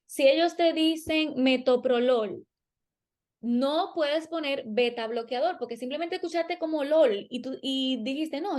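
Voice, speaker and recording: A woman co-hosting a podcast, explaining exam strategy and speaking directly to listeners with worked examples. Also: high voice. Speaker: podcast co-host.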